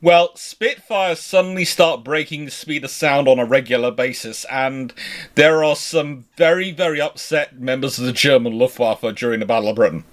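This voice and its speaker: A man's voice: mid-range voice, moderate pace. A man hosting an unscripted history discussion, talking discursively and emphatically and often correcting himself. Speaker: naval history show host.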